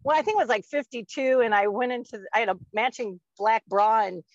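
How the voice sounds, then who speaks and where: A woman's voice: on the high side, a little fast, dry recording. A woman in her fifties chatting casually on a podcast, rambling with lots of fillers and frequent laughs. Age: 50s. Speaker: guest. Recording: dull lo-fi dry sound.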